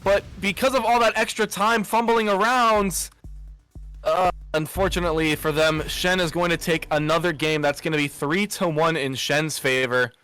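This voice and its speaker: A man giving analytical play-by-play commentary on a competitive video game match, steady and full of "uh" fillers. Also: a little high, moderate pace, smooth, faint music behind, rough recording. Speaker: esports commentator.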